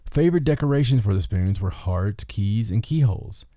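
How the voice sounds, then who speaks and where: Low, mellow-voiced male podcast host. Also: animated, normal speed, dry recording, clean studio sound. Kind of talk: reading a list of folklore with casual joking asides.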